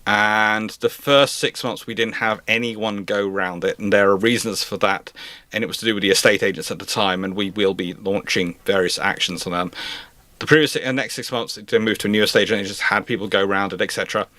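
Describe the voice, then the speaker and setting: A man's voice: on the low side, steady tone, a little fast, sharp tone, dry recording. A man chatting casually as a livestream host, rambling and venting with exasperation.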